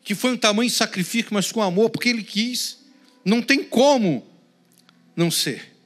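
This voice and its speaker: A man with a Brazilian Portuguese accent preaching a sermon, swinging between loud emphasis and hushed, prayerful tones. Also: high voice, animated, normal speed, soft background music. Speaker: pastor.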